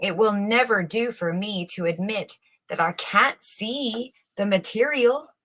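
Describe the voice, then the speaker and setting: Flustered old courtier in a storybook tale, played by a woman, anxious to please, exclamatory, lifted in pitch and drawn out. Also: a bit bright, poor audio. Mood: alarmed, worried. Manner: exclamatory, drawn-out gushing praise.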